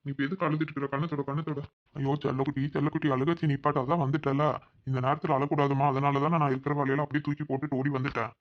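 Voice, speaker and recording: A man's voice: on the high side, level tone, very fast, highs cut off, close to an everyday voice. A man voicing a young husband back from abroad in a cartoon, tenderly soothing his tearful wife. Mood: doting, soothing. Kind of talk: cartoon voice acting.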